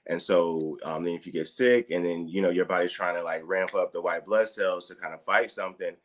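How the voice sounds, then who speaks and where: A man in his thirties from the US Midwest, a guest explaining things in a relaxed, unhurried way with many fillers. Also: low voice. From Dayton, Ohio, US Midwest. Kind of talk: casual interview talk.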